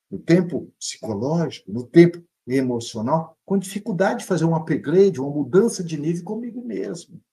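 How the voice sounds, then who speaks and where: A middle-aged man with a Brazilian Portuguese accent, a psychologist giving a motivational live talk, jumping between high and low pitch as he acts out people's worried thoughts. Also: warm tone, husky.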